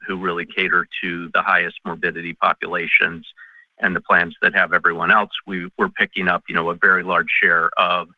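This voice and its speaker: A man answering as a company executive on an earnings call, speaking in a measured, hesitant corporate way. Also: sits low, no room sound. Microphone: conference call line. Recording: dull, band-limited conference call audio.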